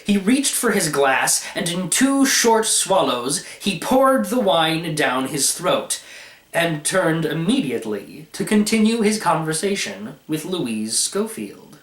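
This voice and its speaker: A man reading a short story aloud as narrator, in an expressive scripted style. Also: on the high side, slow. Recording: echoey room.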